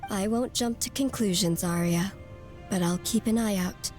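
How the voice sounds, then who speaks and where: An actress playing a composed, reserved but caring otherworldly sister in a video game, measured and matter-of-fact. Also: female voice, medium pitch, a little mellow, natural voice. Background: faint background music.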